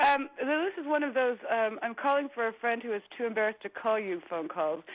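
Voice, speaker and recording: A woman talks at a fairly quick pace with a Canadian accent. Her pitch is fairly high and her intonation lively. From Canada. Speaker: caller. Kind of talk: phone-in call. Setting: phone call. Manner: hesitant, many fillers.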